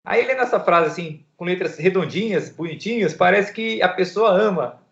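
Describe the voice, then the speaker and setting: A man explaining ideas in casual conversation, lively and full of everyday examples. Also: high-pitched, normal speed, gravelly. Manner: lively, gives everyday examples, laughs lightly. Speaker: co-host in a discussion. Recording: echoey lo-fi recording.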